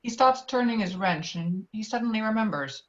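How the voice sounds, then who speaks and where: A woman reads stage directions in an amateur table read. Her voice sits at middle pitch, on dull, lo-fi video-call audio. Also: expressive, moderate pace. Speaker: narrator reading stage directions.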